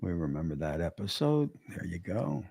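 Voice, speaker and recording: A man's voice: low-pitched, sing-song, moderate pace, creaky, darkish tone, slightly rough. A middle-aged man with a New Jersey accent hosting a casual livestream chat, stumbling over restarts and reading viewer comments aloud. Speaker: livestream host.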